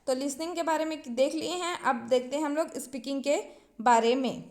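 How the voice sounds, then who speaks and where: A woman's voice: sits high, fairly quick, a little mellow. A woman teaching an exam-prep lesson, reading each point from her notes, then restating it simply and checking in with the class often.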